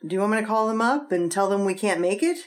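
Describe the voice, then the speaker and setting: An actress playing an attentive, concerned wife in an old-time radio drama, polite and solicitous. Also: female voice, mid-range voice, lively intonation, fast talker, natural voice. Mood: gently concerned.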